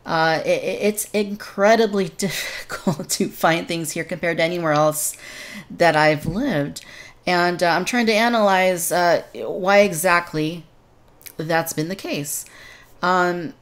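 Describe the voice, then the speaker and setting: Low-voiced woman hosting a podcast. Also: unhurried. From Texas, United States. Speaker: podcast host. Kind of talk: conversational podcast discussion.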